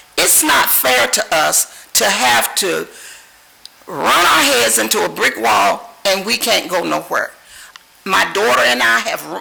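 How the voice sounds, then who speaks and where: A woman with an American accent speaks at a fairly slow pace, her fairly low voice moving through very wide pitch swings. The recording carries audible room echo and noticeable background noise. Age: 70s. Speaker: resident speaking at public comment. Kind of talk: public comment speech. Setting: city council meeting. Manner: impassioned.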